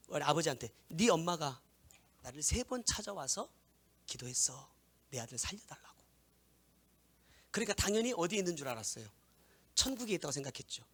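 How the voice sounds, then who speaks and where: A man in his thirties, a pastor preaching a sermon, swinging from loud exclamations to hushed whispers. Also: fairly high pitch.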